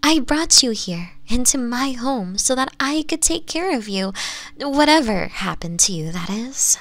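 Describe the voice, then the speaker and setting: A woman voicing a flirtatious, possessive nine-tailed fox woman in an ASMR roleplay, speaking softly and coaxingly and slipping into breathy whispers. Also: fairly high pitch, animated, unhurried, no room sound. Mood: gentle, curious.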